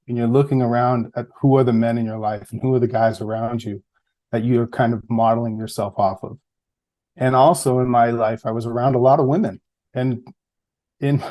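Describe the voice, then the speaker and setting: A man with a central Massachusetts accent talks in an unhurried, reflective way, often pausing on "um" and "you know" and breaking into soft laughs. His voice is warm and mellow at a middle pitch. He sounds like a middle-aged guest settled into a relaxed podcast conversation. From Massachusetts, USA. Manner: reflective, easygoing, with frequent fillers and soft laughs. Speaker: podcast guest, public health researcher. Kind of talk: casual interview conversation.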